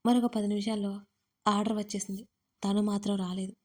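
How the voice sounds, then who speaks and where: A woman tells a first-person audio story in a close, conversational manner. Her voice is warm and mellow, and her pitch stays level with little rise and fall. The telling is unhurried and personal. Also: little pitch movement. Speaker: author and narrator.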